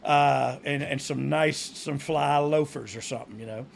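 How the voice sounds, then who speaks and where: A man's voice: mid-range voice, normal speed, creaky. A man co-hosting a podcast in a casual, joking way, laughing often. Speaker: podcast co-host.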